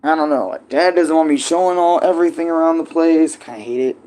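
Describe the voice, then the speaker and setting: A man's voice: on the high side, quick pace, darkish tone. Rambling young man with a froggy voice. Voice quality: froggy voice at times. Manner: rambling, casual, with slang and fillers. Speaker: vlogger. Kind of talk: casual rambling vlog. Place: at home, in a kitchen. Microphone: tablet propped up nearby.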